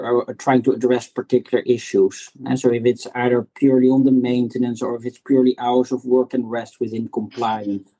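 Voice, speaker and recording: A man's voice: mid-range voice, mellow, poor audio. A middle-aged man with a Dutch accent, a startup founder answering interview questions with many restarts and repeated words. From Netherlands.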